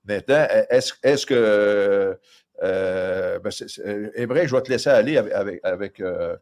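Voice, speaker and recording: A man with a slightly low voice introduces a guest. He halts constantly, repeating small words and leaning on fillers as he gropes for the next phrase. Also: a little mellow. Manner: halting, heavy stammering and fillers. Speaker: show host. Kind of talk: casual talk-show introduction.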